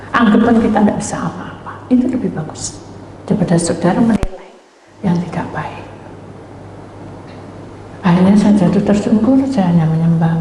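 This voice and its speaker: A woman's voice: fairly low pitch, dark tone, slight background noise. A woman pastor preaching a sermon as dramatic storytelling, dropping to near whispers and then rising again. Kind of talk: sermon with personal testimony. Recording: echoey hall with long reverb.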